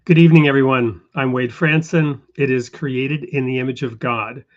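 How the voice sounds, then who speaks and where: A man hosts an interview show in a calm, conversational manner, with an occasional "um". His voice sits at a middle pitch. The recording sounds somewhat dull and lo-fi. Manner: measured, conversational, a few fillers. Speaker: host. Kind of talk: hosting an interview talk show.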